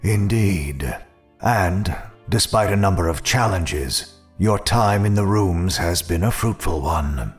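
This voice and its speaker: An actor playing a stern, dry old man in charge, terse, formal and deadpan, in an audio drama. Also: low-pitched, slow, faint music behind.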